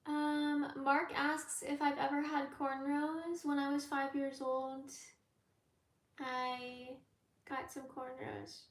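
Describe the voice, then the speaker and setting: A woman who reads tarot, chatting with viewers in a live question-and-answer stream. She rambles in a laid-back way and fills pauses with ums and likes. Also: sits high, flat delivery. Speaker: tarot reader and YouTuber. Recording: echoey room.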